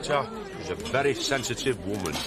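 A man's voice: lowish voice, animated, fairly quick, a loud crowd, natural voice. An actor playing a boisterous, jokey man in a television soap drama. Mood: cheerful. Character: boisterous Yorkshire man, proud of his new woman.

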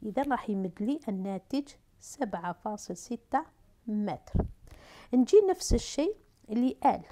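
A woman's voice: on the high side, expressive, warm tone. A woman teacher with an Algerian Arabic accent, explaining unit conversions step by step and answering her own questions. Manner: talks through steps slowly, asks and answers herself. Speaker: math and physics teacher. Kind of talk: whiteboard lesson for middle school.

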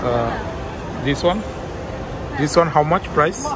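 A man giving a walking tour of a shopping mall, pointing out shops in plain, halting sentences with fillers. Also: a little high, expressive. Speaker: travel vlogger. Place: busy shopping mall, indoors. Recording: loud crowd and mall noise behind.

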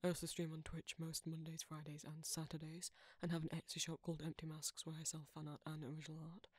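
A man, an ASMR creator, reading a scripted channel outro in a soft-spoken way. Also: fairly high pitch, completely flat delivery, quick pace, breathy edge, no room sound.

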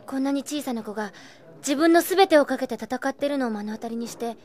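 A woman's voice: high-pitched, fairly quick, darkish tone, close to an everyday voice. A woman playing an earnest, righteous young woman in an anime-style audio drama. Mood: earnest, reproachful.

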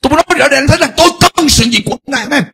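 A middle-aged male pastor preaching a fervent sermon, dropping to a hush and then rising to shouts. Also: very high-pitched, very fast, vocal fry. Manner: impassioned preaching, swings between hushed and shouted.

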